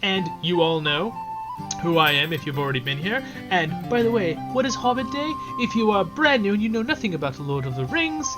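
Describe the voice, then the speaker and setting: A man's voice: high-pitched, sing-song, a little fast, over music, poor audio. A man hosting his channel, giving casual, chatty commentary while playing a fantasy game. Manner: upbeat, chatty, drifts into softer asides. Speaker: YouTube channel host.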